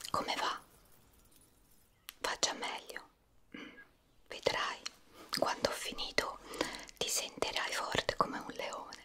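Whispering with a gentle tone, a woman speaks at a very slow pace, leaving long, frequent pauses. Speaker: ASMR roleplay host. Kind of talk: soft personal-attention roleplay talk. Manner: soft, gentle ASMR murmur.

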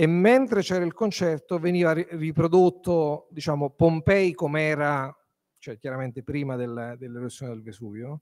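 A man talks at a moderate pace with a fairly high pitch and lively intonation. His loudness swings widely over a quiet background. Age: 50s. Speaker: telecom executive; guest. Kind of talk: panel discussion. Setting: stage with audience. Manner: animated. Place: stage. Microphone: handheld.

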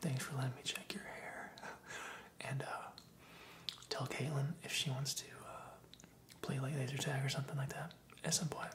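A whispering man moves at a moderate pace, with pauses that are long and frequent. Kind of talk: soft-spoken roleplay chat to viewer. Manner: soft, close, quiet ASMR speech. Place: studio.

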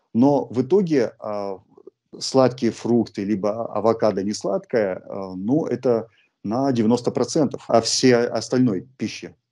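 Against a quiet background, a man talks at a fairly slow pace in a dark, mellow tone with ordinary pitch variation. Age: 40s. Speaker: fitness trainer and raw vegan advocate; fitness trainer. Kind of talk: interview. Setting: video call. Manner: halting. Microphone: earbuds.

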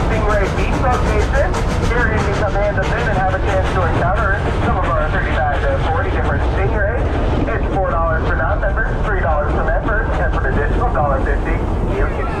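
A man at a fairly quick pace against loud background noise. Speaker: zoo train tour guide. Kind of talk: tour narration. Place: train.

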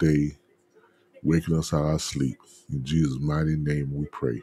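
A man's very deep, low voice at a moderate pace, fairly even in intonation, in a dry sound with no echo. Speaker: truck driver vlogger. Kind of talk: prayer then casual vlog chat. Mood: earnest, devotional. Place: home room. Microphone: studio mic.

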